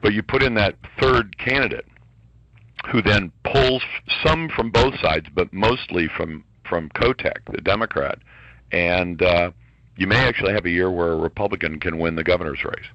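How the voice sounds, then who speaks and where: A man's voice: low voice, normal speed, fairly bright tone, no room sound, muffled recording. A man talking as a radio guest in a combative, indignant, punchy way. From born in Taiwan to American parents. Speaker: talk radio host, guest. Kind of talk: radio talk interview. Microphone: studio microphone.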